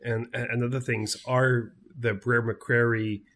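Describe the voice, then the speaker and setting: A man's voice: mid-range voice, level tone, slow pace, a bit bright. A man speaking enthusiastically in a casual podcast chat, laughing easily.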